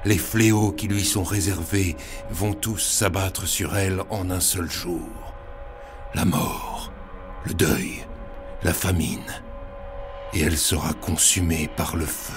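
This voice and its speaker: An actor playing a biblical prophet of doom, reciting scripture in an ominous, declamatory, incantatory way for an audio drama. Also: male voice, sits low, fairly even intonation, slow pace, over music. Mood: dark, ominous.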